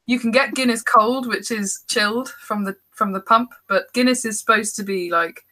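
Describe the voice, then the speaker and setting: A woman's voice: on the high side, steady tone, normal speed, pushed and bright. A British woman chatting casually as a guest, playful and informal. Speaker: guest writer. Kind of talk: casual chat.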